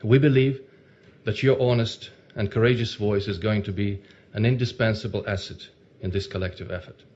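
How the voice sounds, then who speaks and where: A man's voice: fairly low pitch, steady tone, a little mellow. Earnest man reading a formal address. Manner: earnest, deliberate, read from a text. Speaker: speaker at a ceremony. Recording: muffled lo-fi recording.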